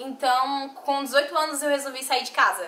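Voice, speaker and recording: Audible room echo surrounds a woman's raised, projected voice with a bright, sharp tone. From Bahia, Brazil (Irecê). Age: 20s. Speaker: vlogger. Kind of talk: personal life story.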